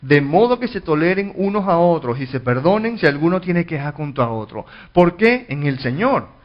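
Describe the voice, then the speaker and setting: A man leads a Bible study as pastor, reading passages and then explaining them. His voice sits a little high, and he stumbles and restarts often. The recording sounds muffled and lo-fi. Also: very animated, normal speed. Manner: reads scripture then explains, many restarts and fillers. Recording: dull lo-fi recording.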